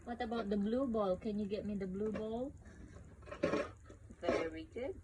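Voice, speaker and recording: A young mother at home, talking patiently to her toddler in a slow, encouraging, sing-song way. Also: medium pitch, dark tone, a little hiss or hum, rough recording. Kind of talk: child-directed talk with a toddler.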